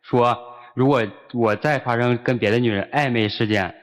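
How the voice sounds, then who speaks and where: A man's voice: mid-range voice, normal speed. A man from Liaoning, a guest who protests and defends himself against his girlfriend's complaints. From Liaoning, China. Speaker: guest on dating show.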